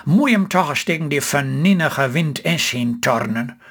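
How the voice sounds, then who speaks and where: A man's voice: a little high, expressive, normal speed, fairly bright tone, husky, full character voice. A man reading as a chatty, hopeful farm wife. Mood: eager. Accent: Stellingwerfs Low Saxon.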